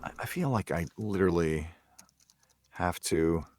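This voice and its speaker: A man's voice: low voice, animated, measured pace, a little mellow, no room sound, studio quality. A man speaking as a guest voice actor in a casual podcast chat, hesitant and meandering, a little self-deprecating.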